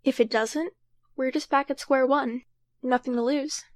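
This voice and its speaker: Woman acting a cautious young female time traveler, high-pitched, earnest, instructive, audio drama, very dry sound. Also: steady tone, unhurried, no room sound. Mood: reassuring, confident.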